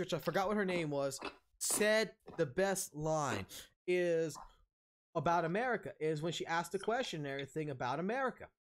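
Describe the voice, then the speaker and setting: Streamer, thirties, male: heated profane rant, lively pitch, slight hiss on the line. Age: 30s. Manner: profane, heated, rambling with restarts. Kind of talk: ranting open discussion.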